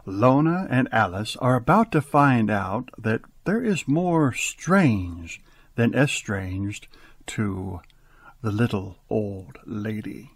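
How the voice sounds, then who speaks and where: A man hosting as director, giving a theatrical scripted radio introduction with dramatic, deliberate pauses. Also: fairly low pitch, expressive. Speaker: director and host.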